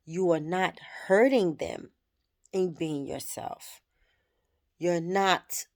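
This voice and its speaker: A vlogger in her thirties thinks aloud to the camera in a candid, reflective personal monologue, swearing freely. Her voice is lowish and a little mellow.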